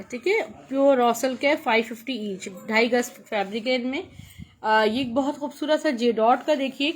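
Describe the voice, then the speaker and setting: A woman with a Pakistani accent sells clothes live online, using chatty teleshopping patter in her sales pitch and repeating her praise and the prices.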